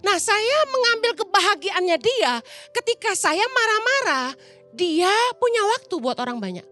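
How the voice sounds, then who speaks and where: A woman's voice: very high voice, big pitch swings, moderate pace, pushed and bright, faint music behind. A middle-aged woman pastor, preaching a chatty storytelling sermon and acting out voices. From Indonesia. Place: church auditorium.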